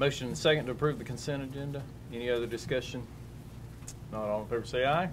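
Over noticeable background noise, a man speaks at a very fast pace with fairly even intonation and long, frequent pauses. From East Tennessee. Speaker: school board chair. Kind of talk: public meeting. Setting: meeting room. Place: meeting room. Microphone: podium.

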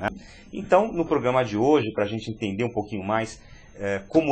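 A man at a very fast pace, his voice somewhat breathy. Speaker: TV show host. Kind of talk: show introduction. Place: studio.

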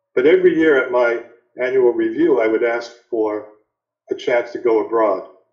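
Speaking at a moderate pace, a man is heard with audible room echo against a quiet background. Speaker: interview guest. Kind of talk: interview answer. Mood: warm, reflective. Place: home room. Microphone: video call.

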